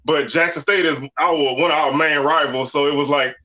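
A man in his forties with a drawl, chatting loosely about college football. His voice sits a touch high and sounds bright and forceful. He leans on easy fillers like "you know" and "man.". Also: moderate pace. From Southern United States. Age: 40s. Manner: relaxed, conversational, lots of "you know" and "man". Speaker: podcast guest. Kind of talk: casual sports talk.

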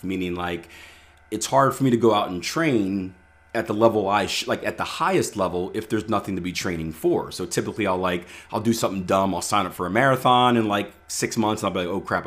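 A man with a raspy, hoarse voice hosting his own unscripted podcast, talking casually with fillers and restarts. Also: deep voice, fairly bright tone. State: hoarse from yelling. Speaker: podcast host, trading coach. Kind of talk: unscripted solo podcast talk.

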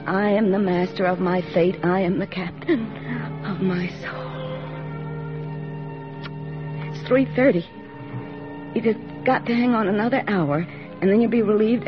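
An actress playing a steady, plain-spoken army nurse lieutenant who narrates and soothes wounded men in a 1940s radio drama. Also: female voice, medium pitch, lightly acted. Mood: strained. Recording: dull old radio broadcast with music.

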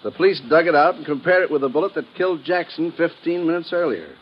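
An actor in a 1950s radio drama playing a matter-of-fact legation official who explains things earnestly. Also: male voice, fairly high pitch, fast talker, lightly acted. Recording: dull, noisy old radio recording.

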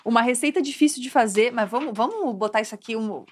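A woman's voice: fairly high pitch, fast talker. A woman co-hosting a podcast, running a party game with teasing, mock-competitive banter. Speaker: podcast co-host.

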